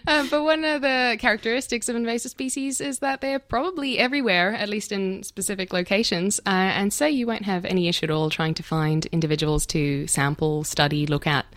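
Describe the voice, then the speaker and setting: A woman's voice: medium pitch, fairly even intonation, brisk, few pauses, a bit bright, dry recording. A young woman explaining things informally as an interview guest, chatty and playful with frequent asides. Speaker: guest, PhD candidate researcher. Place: radio studio.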